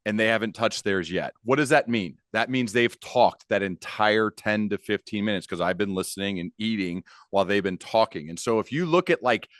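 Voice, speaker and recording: A man's voice: on the low side, moderate pace, hardly any pauses, fairly bright tone, no room sound, studio quality. A man hosting an interview podcast, chatting informally with anecdotes and acted-out imagined quotes. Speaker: podcast host. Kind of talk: casual interview chat.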